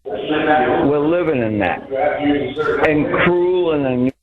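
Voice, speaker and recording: A man's voice: on the high side, expressive, slow, over a noisy crowd. A man calling in to a talk radio show over the phone, speaking with passion and often restarting his sentences. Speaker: caller. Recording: tinny phone line.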